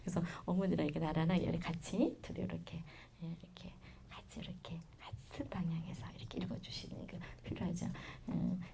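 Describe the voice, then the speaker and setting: A woman's voice: lowish voice, vocal fry, husky. Middle-aged woman with a regional Korean lilt. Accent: Korean regional dialect. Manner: chatty, lively storytelling with sudden loud bursts and soft asides. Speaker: lecturer. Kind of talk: parenting lecture.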